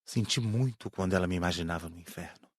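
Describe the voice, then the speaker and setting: A man's voice: low-pitched, fast talker, breathy edge, dry recording, studio quality. A man with a Brazilian accent playing an earnest, confiding spirit student in an audiobook drama. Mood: earnest, reflective. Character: Joaquim, earnest male spirit student recalling his past.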